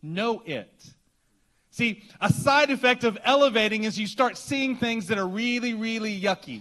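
Over a quiet background, a man talks at a moderate pace. His tone is bright and sharp. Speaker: pastor. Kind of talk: sermon. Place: church. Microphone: handheld.

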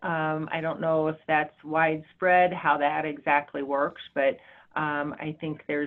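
A woman speaks at a fairly slow pace, her intonation monotone and flat. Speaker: state special education official. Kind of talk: webinar Q&A answer. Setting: video call.

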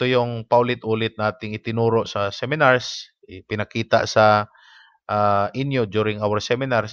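Against a quiet background, a man speaks in a plain, everyday voice at a medium pitch with fairly even intonation and a dry, close sound with no echo. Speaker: alternative medicine practitioner. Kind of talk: explanatory talk.

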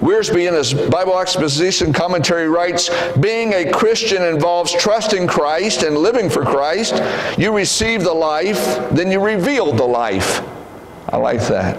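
A man talks at a fairly slow pace, with audible room echo and light background noise around him. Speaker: pastor. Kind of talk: sermon. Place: church.

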